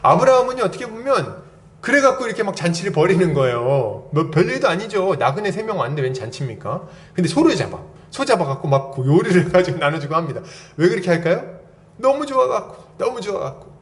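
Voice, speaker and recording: Animated high-voiced man preaching. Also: fast. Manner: lively, asks the congregation questions and prods with "eh?"; tells personal stories with laughter. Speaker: pastor. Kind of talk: expository sermon.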